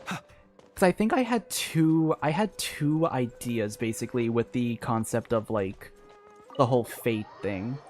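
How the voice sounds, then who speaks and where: Streamer: man, mid-pitched, casual and excitable, thinking aloud, soft game music behind. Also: measured pace. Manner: rambling, excitable. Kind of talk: casual live commentary. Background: faint game music.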